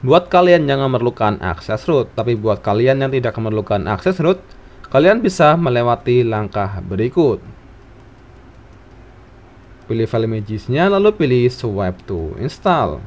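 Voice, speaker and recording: A man's voice: mid-range voice, very animated, unhurried, darkish tone. A man narrating a scripted tech tutorial, giving instructions phrase by phrase.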